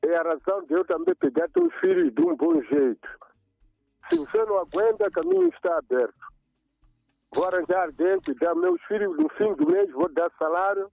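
A man's voice: very high voice, wildly swooping pitch, normal speed, vocal fry, faint music behind. Emphatic male caller on phone line. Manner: emphatic, repetitive, preachy. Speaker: radio caller. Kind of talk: phone-in call.

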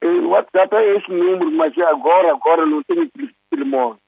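A man calling in to a radio show, speaking haltingly and restarting words. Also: sits high, very animated, vocal fry. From Mozambique. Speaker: radio caller. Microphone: telephone. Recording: tinny phone line.

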